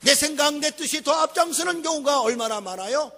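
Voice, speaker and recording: Man preaching, very high voice, dramatic delivery, long hall echo. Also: expressive, a little fast, creaky, pushed and bright. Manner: dramatic, rising and falling delivery with rhetorical questions. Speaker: pastor. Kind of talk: sermon. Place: church sanctuary. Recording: echoey church hall.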